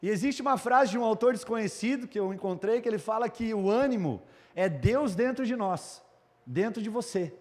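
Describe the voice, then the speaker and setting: A man's voice: sits high, lively intonation, normal speed, darkish tone. A man with a Brazilian Portuguese accent preaching a sermon as a pastor, speaking straight to his congregation and to viewers at home. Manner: addresses congregation and online viewers directly, prays aloud. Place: church hall. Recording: long hall reverb.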